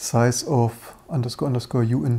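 A man with a dark, mellow tone speaks somewhat breathily at a fairly slow pace. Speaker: tech vlogger. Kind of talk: tutorial commentary. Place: office. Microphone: phone near.

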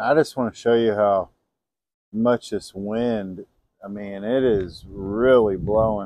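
A man's dark, mellow tone with fairly even intonation, in a dry sound with no echo against a quiet background. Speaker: outdoor cooking vlogger. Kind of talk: casual vlog chat. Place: garden. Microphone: lapel.

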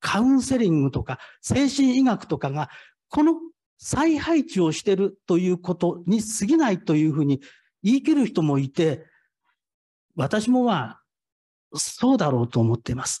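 A man's high-pitched voice, dark and mellow in tone, with very wide pitch swings at a fairly slow pace. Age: 60s. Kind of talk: panel discussion. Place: hall.

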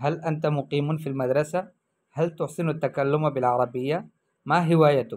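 Pitched fairly high, a man talks in an ordinary speaking voice with fairly even intonation. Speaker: Arabic language teacher. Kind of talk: tutorial.

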